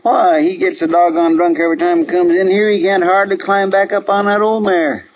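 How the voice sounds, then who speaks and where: An actor playing a poor, easygoing frontier deputy who talks in a slow, folksy rural drawl, in a 1950s radio drama. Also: male voice, high voice, little pitch movement, close to an everyday voice. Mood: gossipy. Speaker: marshal's helper. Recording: dull old radio broadcast, faint hiss.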